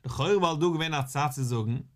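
A man's voice: a little high, fairly quick. A man, a rabbi, teaching a daily Talmud lesson, reading each line aloud and then explaining it.

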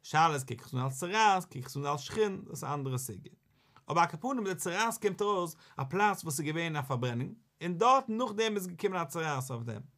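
Rabbi guy teaching talmud, kinda high voice, sing-songy, keeps asking questions. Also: a little fast. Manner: animated, questioning, sing-song rise and fall. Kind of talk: Talmud study lesson.

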